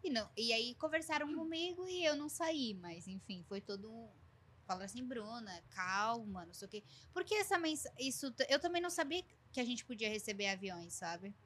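A Brazilian woman with a Brazilian Portuguese accent, a guest telling animated stories in a casual chat, laughing often. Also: on the high side, a little fast, a little hiss or hum. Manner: animated storyteller, laughs often, acts out quotes. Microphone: studio mic.

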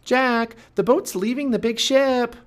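A man doing a high, feisty young girl. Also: wildly swooping pitch, a little slow, full character voice. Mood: urgent. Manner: high, urgent calling and shouting.

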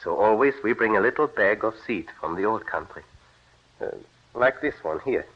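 A pious immigrant farmer speaks plainly and formally. His voice sits a little low. The sound is dull and lo-fi, like an old radio broadcast. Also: lively intonation, moderate pace. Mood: earnest. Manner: earnest, plain-spoken, formal. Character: devout Mennonite immigrant farmer, middle-aged man. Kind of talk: 1940s radio acting.

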